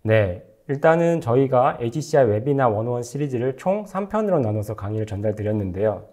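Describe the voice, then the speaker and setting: Mellow-voiced man giving a formal lecture. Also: mid-range voice, lively intonation, fairly quick. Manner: formal, explanatory. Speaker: technical lecturer, company engineer. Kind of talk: prepared webinar lecture.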